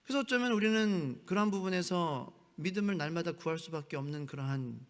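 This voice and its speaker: A man's voice: on the high side, animated, brisk. A man preaching a midweek evening sermon as pastor, reading scripture and acting out mocking voices of the crowd. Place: church sanctuary. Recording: long church hall reverb.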